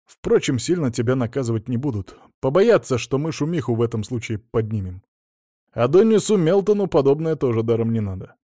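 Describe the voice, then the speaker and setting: A man's voice: mid-range voice, sing-song, brisk, dark tone, no room sound, studio quality. A man reading the part of a blunt middle-aged lawyer, who speaks in a frank, matter-of-fact way with a faint mocking edge.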